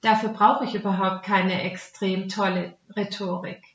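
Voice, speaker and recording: In a mid-range voice with little pitch movement and normal pacing, this Christian speaker talks with a Swabian German accent. Her devotional talk mixes Bible teaching and personal testimony, delivered earnestly, plainly, and conversationally, in a dull, muffled recording with roomy echo.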